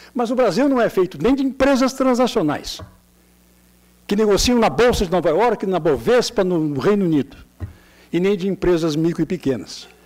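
A man with a high pitch speaks at a moderate pace, his pitch swinging very widely. He leaves long, frequent pauses. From Brazil. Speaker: former judge and law professor; former judge, law professor. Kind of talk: conference speech. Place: hall. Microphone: podium.

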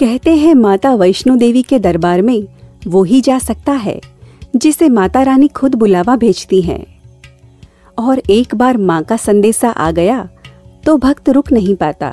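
A woman speaks with lively intonation at a fairly high pitch while music plays in the background. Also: dry, close sound with no echo. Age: 30s. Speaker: voice actor. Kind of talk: documentary narration.

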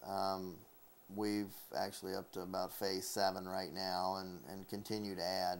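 A man with an American accent, very deep, low pitch and a fairly slow pace. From central Illinois, US Midwest. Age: 40s. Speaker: grain terminal owner. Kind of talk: oral history interview. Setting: outdoors at a grain terminal. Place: office. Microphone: lapel.

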